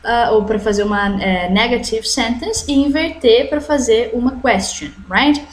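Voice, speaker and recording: A woman teacher with a Brazilian accent giving an online English lesson to children, switching between explanation and slowly drawn-out model sentences. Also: fairly high pitch, a little hiss or hum. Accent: Brazilian Portuguese. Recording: echoey room.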